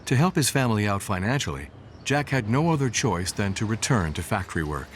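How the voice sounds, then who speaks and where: A man narrating a documentary from a script in a measured storytelling manner. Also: lowish voice, very animated, a little hiss or hum. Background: music bed.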